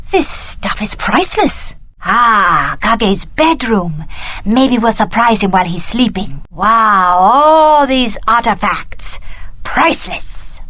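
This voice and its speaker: A woman's voice: medium pitch, no echo, close to an everyday voice. A woman voicing a cunning young warrior heiress in a video game, with an articulate, dramatic delivery. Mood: awed, curious.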